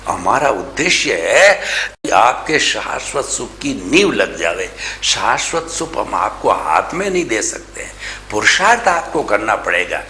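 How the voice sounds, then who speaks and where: A man delivering a slow, deliberate spiritual discourse, his voice bright and rising and falling in wide swings. He presses his points home with rhetorical questions and the odd English phrase. The recording has an echoey room sound with a faint hum of ambience. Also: fairly low pitch, sing-song. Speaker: spiritual teacher.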